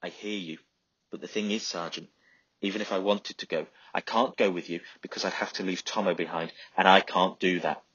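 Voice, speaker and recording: A man voicing a loyal young soldier who speaks quietly and steadily. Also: low-pitched, fairly even intonation, fairly quick, husky, dry recording. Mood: firm. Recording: slightly dull lo-fi recording.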